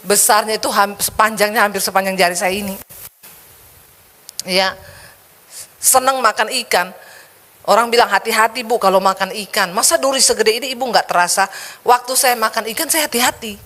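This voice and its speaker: Lively woman pastor in an echoing hall. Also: medium pitch, moderate pace, long pauses. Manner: animated storytelling, vivid sound effects. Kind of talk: sermon with personal testimony. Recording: echoey hall reverb.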